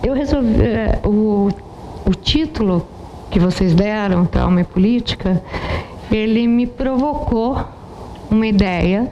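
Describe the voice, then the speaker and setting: Behind noticeable background noise, a woman with a fairly high pitch speaks at a very slow pace, with very even loudness and ordinary pitch variation. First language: Polish (speaking Portuguese). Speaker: psychoanalyst. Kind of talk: lecture. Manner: halting.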